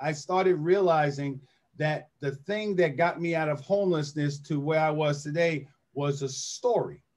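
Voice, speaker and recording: A man speaks at a fairly high pitch with ordinary pitch variation and an American accent. He has an unremarkable speaking voice. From New York. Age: 60s. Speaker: gemologist and storyteller, Marine veteran. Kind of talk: podcast interview. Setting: live online show.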